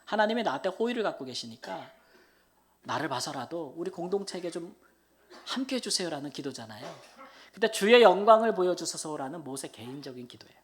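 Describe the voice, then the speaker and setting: A middle-aged male pastor preaching in a sermon, telling stories earnestly and moving between soft whispered asides and loud exclamations. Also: on the high side, sing-song, fairly quick.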